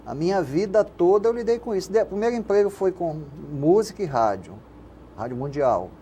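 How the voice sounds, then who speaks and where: A man's voice: fairly high pitch, mellow. An older man from Rio de Janeiro with a Carioca accent, a guest in an interview, talking reflectively and rambling, often tagging his sentences with a questioning word. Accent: Carioca Brazilian Portuguese. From Rio de Janeiro, Brazil. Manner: reflective, rambling with frequent "né?" tags. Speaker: guest, radio station manager and poet. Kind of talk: casual interview conversation. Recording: faint background noise.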